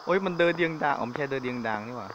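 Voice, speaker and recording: A man's voice: mid-range voice, animated, racing. A man giving nervous, jokey commentary while playing a horror game, often blurting out exclamations. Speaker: gamer. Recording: dull lo-fi mic with insect noise behind.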